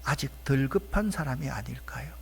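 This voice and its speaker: A man preaching a passionate sermon as pastor, dropping to hushed whispers and rising to loud, pleading cries. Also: mid-range voice, animated, brisk, vocal fry, a little hiss or hum. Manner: impassioned preaching that swings from hushed whispers to loud shouted pleas.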